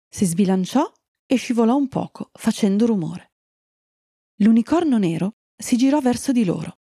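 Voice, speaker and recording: A woman storyteller gently reading a fairy tale to children and chatting kindly with her young listeners. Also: mid-range voice, dry recording, clean studio sound.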